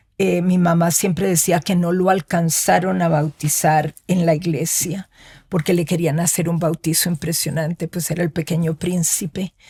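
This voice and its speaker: At a moderate pace, a woman speaks in a dark, mellow, somewhat breathy tone, fairly low in pitch and flat in a monotone. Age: 70s. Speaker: writer and sister of a late author. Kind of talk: interview. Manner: halting.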